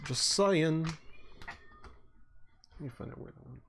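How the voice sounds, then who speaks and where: A man's voice: a little high, expressive, slow, gravelly, fairly bright tone, slight background noise. A man hosting a casual live-stream chat. He rambles with plenty of fillers and restarts, and sounds stuffy and sniffly. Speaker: host.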